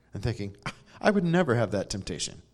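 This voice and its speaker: Here a man talks with an American accent. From California. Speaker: pastor. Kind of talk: sermon.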